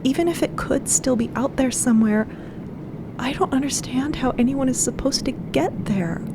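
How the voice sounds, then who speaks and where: Woman acting a hesitant, anxious young adventurer, creaky edge. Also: high voice, noisy background, voice pushed up. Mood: wistful, lost. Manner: hesitant, halting, earnest. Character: tired, anxious, sweet young female adventurer trying to cope.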